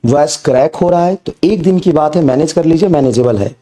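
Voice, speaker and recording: A man's voice: a little fast, mellow. Feverish male teacher with a cracking voice. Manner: low-energy, repetitive, coaxing rhetorical questions. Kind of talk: recorded online class lecture.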